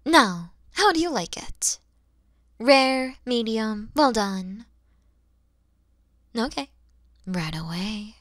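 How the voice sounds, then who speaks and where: A woman playing a kind, proud, mature dragon mother in an ASMR roleplay, with breathy delivery that often softens toward whispers and theatrical pauses. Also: a little high, expressive, dry recording, clean studio sound, heavily acted. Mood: warm, hospitable.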